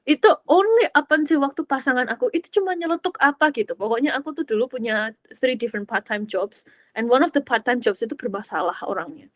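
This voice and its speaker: Young woman, podcast host, personal storytelling, mixes in English, laughs often, higher voice, dry close sound. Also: fairly quick, dry recording. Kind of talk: personal reflective monologue.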